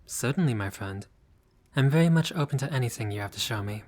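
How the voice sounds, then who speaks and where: A man's voice: mid-range voice, animated, fairly quick, a little mellow, slight background noise, natural voice. A man playing a haughty but friendly vampire lord in a roleplay audio, speaking in a formal, fussy, politely pompous way. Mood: gracious, refined. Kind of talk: scripted roleplay audio addressed to the listener.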